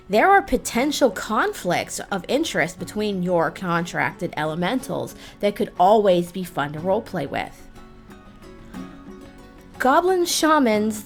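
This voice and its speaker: A woman host narrating a scripted explainer in the style of a video game guide. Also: medium pitch.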